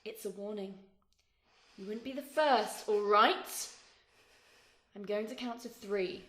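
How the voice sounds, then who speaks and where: A young woman acting a mysterious, menacing guide in a horror audio play, hushed, commanding and teasing with threats. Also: medium pitch, natural voice. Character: mysterious menacing female guide in a hellish place. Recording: very echoey binaural recording.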